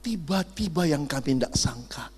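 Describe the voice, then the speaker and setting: A middle-aged man, a pastor, preaching a lively sermon full of jokes and acted-out stories. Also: fairly high pitch, moderate pace, husky. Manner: animated, jokey, acts out dialogue and sound effects. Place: large hall at a youth camp. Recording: long hall reverb.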